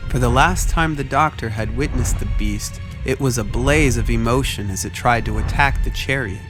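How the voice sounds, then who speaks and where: A man's voice: mid-range voice, normal speed. A man reading scripted, dramatic story narration as the narrator. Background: prominent music.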